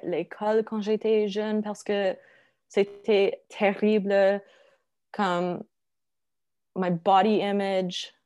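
A woman, native English speaker, chatting casually in halting French with an English-speaking accent, searching for words and slipping into English. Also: medium pitch, level tone, a little mellow, clear, resonant tone. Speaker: interview guest.

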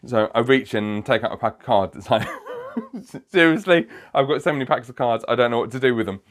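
Hosting his own magician's podcast, this man speaks fast in a steady, mid-range voice. He tells a funny story in a casual, chatty way, breaking into laughter often and drifting into digressions.

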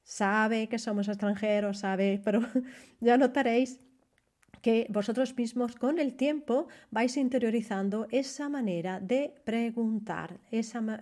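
Slow, careful woman teacher. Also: mid-range voice, darkish tone. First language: Spanish. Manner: slow, careful modelling of example phrases. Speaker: German teacher. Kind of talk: podcast language lesson.

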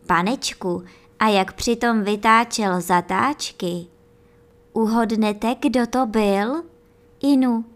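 A woman with a medium-pitched voice reads a bedtime story aloud for children, gentle yet lively in her storytelling, and speaks directly to her young listeners.

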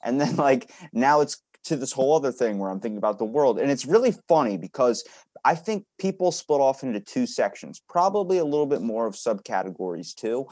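A man hosting a casual interview podcast, rambling freely, swearing often and getting animated when he rants. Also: mid-range voice, a little fast, no echo, clean studio sound. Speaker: podcast host.

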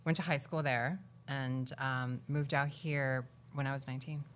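A woman from Guam, a guest actress chatting casually in an interview, relaxed and quick to laugh. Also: extremely low pitch.

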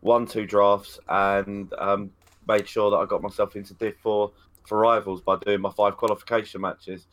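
A man's voice: on the low side, level tone, moderate pace, fairly bright tone. A man co-hosting a casual video podcast, cheeky and boastful, laughing as he talks. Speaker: podcast co-host.

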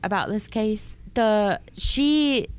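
A woman's voice: medium pitch, slow, smooth. A woman co-hosting a true-crime podcast, reacting emotionally and talking casually with fillers. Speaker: podcast co-host.

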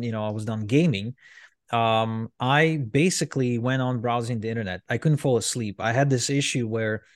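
A man from Ukraine talks at an ordinary pitch for a man, looping through his story with restarts and "um"s. He is an interview guest, and his voice sits close and dry with no room sound. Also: dry recording. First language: Russian. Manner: rambling, frequent restarts and fillers. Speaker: podcast guest, entrepreneur.

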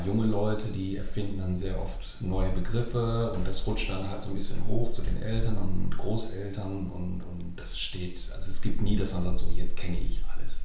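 A man with a deep, low voice chats casually, stopping to think and restarting his sentences. He sounds like he is in a strongly reverberant room. A faint hiss sits under his voice. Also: gravelly, a little mellow. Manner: thoughtful, hesitant, many fillers and restarts. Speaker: German speaker living abroad, learning Czech. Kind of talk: casual conversation. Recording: very echoey room with faint noise.

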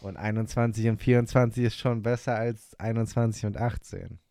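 A man co-hosting a casual podcast, blunt and joking, with loud reactions. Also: lowish voice, fairly even intonation, normal speed, vocal fry, no echo. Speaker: podcast co-host. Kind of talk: casual chat.

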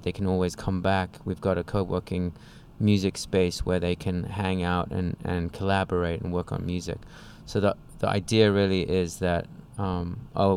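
A man's voice: low-pitched, gravelly, darkish tone, a little hiss or hum. A man co-running a music school, answering an interview question by steadily listing what the school offers. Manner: lists points steadily, with "uh" fillers.

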